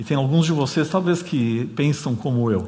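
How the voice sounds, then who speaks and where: With lively intonation, a man at a medium pitch talks at a moderate pace, his voice somewhat breathy against audible room echo. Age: 60s. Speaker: preacher. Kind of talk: sermon. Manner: halting, many fillers.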